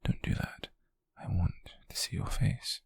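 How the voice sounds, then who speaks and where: A British man playing a possessive, wealthy young yandere in an ASMR roleplay, coaxing haltingly in a breathy, husky whisper with soft menace. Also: dry recording, close to an everyday voice. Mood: possessive, insistent.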